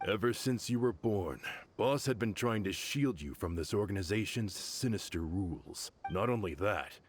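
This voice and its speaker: Hard-bitten, loyal desert mercenary for a game, played by a man, bitter, low in pitch. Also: expressive, normal speed, slight background noise, natural voice. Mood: bitter, regretful. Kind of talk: scripted video game voice acting.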